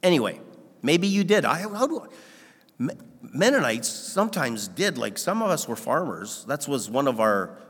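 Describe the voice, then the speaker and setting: A man's voice: a little high, big pitch swings, normal speed, fairly bright tone, slightly rough, big-room sound. A male pastor giving a conversational, self-deprecating sermon, acting out dialogues with God.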